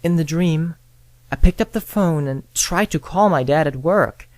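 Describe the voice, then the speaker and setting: A narrator reading a scripted first-person story in short phrases with frequent pauses. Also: medium pitch, darkish tone, no room sound. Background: music with guitar and piano.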